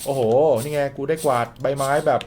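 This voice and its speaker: A gaming YouTuber comments on a horror video game in a jokey, crude way, his medium-pitched voice monotone and a little fast. He reads the characters' lines aloud and yelps when startled, with a faint hiss or hum in the recording.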